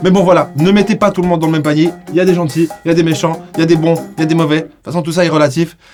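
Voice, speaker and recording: A man rattles off words at a very fast pace while music plays in the background. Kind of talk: casual talk to camera.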